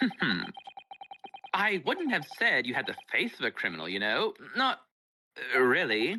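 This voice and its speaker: A man's breathy, high put-on character voice at a moderate pace, with sound effects in the background. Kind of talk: mock-Victorian theatrical speech. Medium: game stream. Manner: pompous, airy, drawn-out musing hums.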